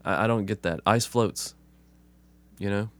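Man, hoarse from a cold, rough voice, laid-back and profane, low pitch, dry close mic. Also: unhurried, a bit bright, no room sound. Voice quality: rough, smoker-like voice. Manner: laid-back, swears casually, says "man" a lot. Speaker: podcast co-host. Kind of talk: casual chat.

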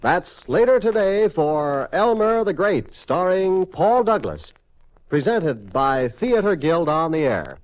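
A man's voice: fairly high pitch, big pitch swings, slow. A man reading a scripted network promo as a 1950s radio announcer. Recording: dull vintage radio recording.

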